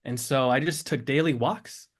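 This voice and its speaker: A man's voice: mid-range voice, moderate pace. A man in his thirties from Switzerland and the United States, reflecting on personal experience as an interview guest, often searching for words.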